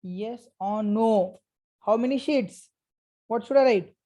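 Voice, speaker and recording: A woman's voice: a little high, slow pace, warm tone. A woman with a South Asian accent teaching a school maths lesson, sternly prodding pupils and checking for answers.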